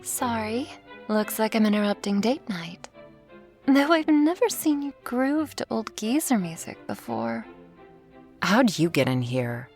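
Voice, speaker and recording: A cocky intruder who barges in and needles everyone in a flippant, mocking tone, as a woman puts the voice on. The voice sits high with a gravelly rasp, and faint strings play behind it. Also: sing-song, unhurried, darkish tone, soft background music.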